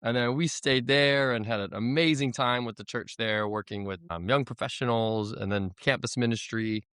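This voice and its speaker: Thirtysomething guy, smooth clear voice, dry close mic, chatty missionary guest. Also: mid-range voice, moderate pace, a bit bright, dry recording. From United States. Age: 30s. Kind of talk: conversational interview storytelling.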